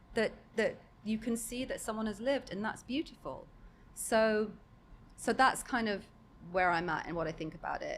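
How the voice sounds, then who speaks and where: In a British accent, a woman talks at a fairly high pitch. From UK. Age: 50s. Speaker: guest on interview show. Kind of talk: casual interview chat. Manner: animated.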